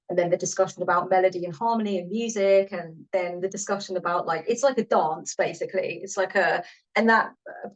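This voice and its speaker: Woman, panel guest, lowish voice, dull lo-fi call audio, eager and thinking aloud. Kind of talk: casual panel discussion.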